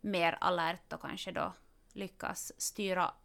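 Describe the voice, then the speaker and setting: A woman, a parent expecting her fourth child, chatting casually and telling stories with quick, animated asides. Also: on the low side, creaky. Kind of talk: casual podcast conversation.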